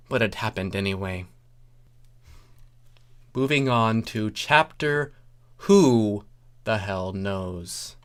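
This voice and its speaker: A man's voice: fairly low pitch, fairly bright tone. A man reading a comic story theatrically, in a wry, informal manner with dramatic delivery and offhand asides. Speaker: reader of comic fan fiction.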